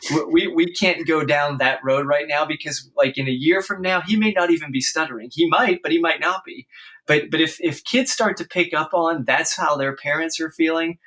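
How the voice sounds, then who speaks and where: A man's voice: fairly high pitch, moderate pace, bright, forceful tone, low-quality recording. A man, a speech-language pathologist, explaining his work in an earnest, conversational podcast interview with frequent restarts.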